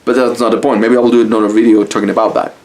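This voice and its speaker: A man's voice: fairly low pitch, little pitch movement, rapid-fire, darkish tone. A man from Mexico with a Mexican Spanish accent, speaking English as a second language, giving a blunt, casual motivational talk to camera and swearing freely. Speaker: YouTube style coach.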